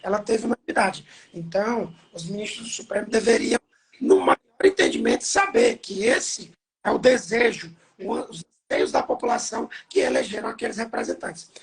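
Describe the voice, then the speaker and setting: A man hosting an interview as a nurse, hoarse from losing his voice, talking in an earnest, rambling way with restarts. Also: high-pitched, normal speed. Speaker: nurse and host. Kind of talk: casual interview talk.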